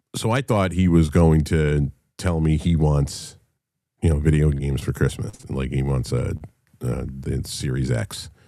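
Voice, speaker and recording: In a very clean recording with a silent background, a man with a New England accent speaks at a fairly slow pace in a very deep, low pitch. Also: ordinary pitch variation. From New England (Massachusetts). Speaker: podcast host. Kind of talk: casual chat. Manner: casual, halting with many fillers.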